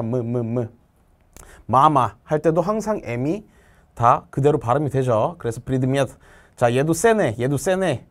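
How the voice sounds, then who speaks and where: A male language teacher explaining exam answers step by step, asking questions and answering them himself, and reading example sentences slowly. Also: medium pitch, a little mellow. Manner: reads Russian example sentences slowly and clearly.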